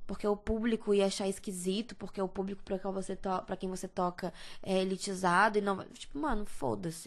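A woman talks at a moderate pace in an ordinary speaking voice of medium pitch. The background is quiet. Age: 20s. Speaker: singer. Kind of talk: casual chat.

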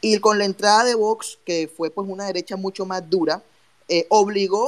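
A man's high-pitched voice, with a dry, close sound and no echo. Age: 20s. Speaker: political video maker and activist. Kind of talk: online panel discussion. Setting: online audio room.

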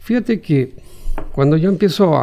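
A man speaks at a moderate pace in a somewhat breathy voice. His tone is dark and mellow. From Mexico City. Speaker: mountain biker. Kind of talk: casual interview.

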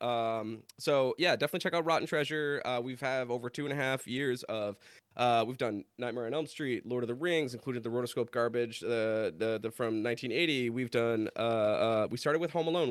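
A man talks very fast in an animated tone, at a medium pitch with ordinary pitch variation. The recording is very clean, with a silent background. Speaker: podcast guest. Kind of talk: casual chat. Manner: joking, animated.

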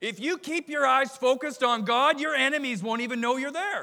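A man speaks in a raised, projected voice at an extremely high pitch. His pitch variation is ordinary. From Canada. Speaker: pastor. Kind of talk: sermon. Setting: church.

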